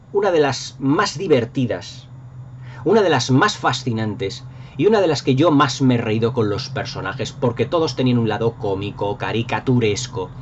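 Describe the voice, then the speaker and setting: A man's voice: medium pitch, lo-fi sound, a little hiss or hum. A middle-aged man with an accent from Spain, talking casually and nostalgically as a video host in an enthusiastic, effusive, rambling way. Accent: Spanish from Spain.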